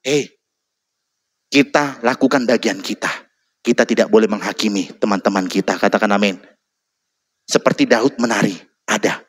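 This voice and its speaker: A man preaching a lively sermon, exhorting the congregation and calling for amens. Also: on the low side, normal speed, husky. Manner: animated, exhorting, calls for amen.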